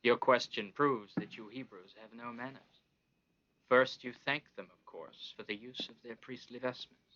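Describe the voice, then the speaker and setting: A man's voice: mid-range voice, steady tone, moderate pace, sharp tone, lightly acted. A man voicing a treacherous condescending priest. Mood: scheming. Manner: condescending, commanding. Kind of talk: animated Bible drama. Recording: dull lo-fi sound.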